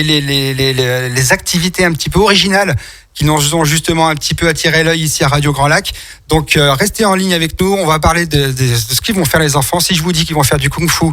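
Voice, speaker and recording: French guy doing chatty local radio, voice a bit high, rambles and repeats himself. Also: bright, forceful tone. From France. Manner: wordy, rambling, repeats words. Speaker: radio host.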